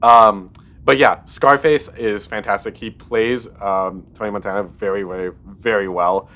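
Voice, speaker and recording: A man's voice: on the low side, fairly even intonation, a little slow, a bit bright. Meandering male podcast co-host. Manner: meandering, many likes and ums. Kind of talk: casual movie chat.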